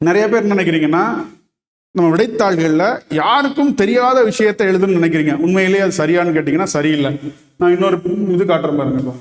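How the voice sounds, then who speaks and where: A man with a Tamil accent, teaching an exam-prep lesson in Tamil mixed with English, who reads model answers out slowly. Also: high voice, roomy sound, in a large hall.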